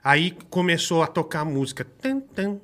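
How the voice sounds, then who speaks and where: A man's voice: on the high side, normal speed. A man in his thirties with a Brazilian accent, telling a personal story in casual podcast chat, swearing freely and acting out what people said. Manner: animated, swearing, acts out quoted voices.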